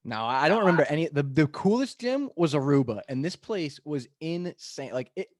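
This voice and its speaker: A man from New Hampshire with a New England accent, hosting a podcast in a relaxed, chatty way. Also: on the high side, normal speed, dry recording, studio quality. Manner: relaxed, lots of "like" and "I mean". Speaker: podcast host. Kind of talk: casual podcast chat.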